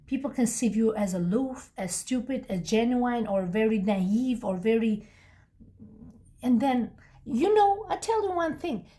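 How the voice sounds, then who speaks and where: A woman with a slightly higher voice and a non-native English accent talks through a tarot reading. She rambles casually, often restarting sentences and wandering into personal asides. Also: lively intonation, a little slow, warm tone. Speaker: tarot reader.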